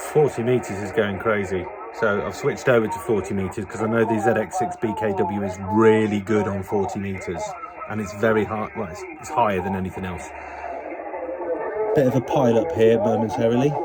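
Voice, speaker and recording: Amid noticeable background noise, a man with a fairly low pitch speaks at a fairly quick pace with ordinary pitch variation. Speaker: amateur radio operator. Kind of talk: casual talk to camera.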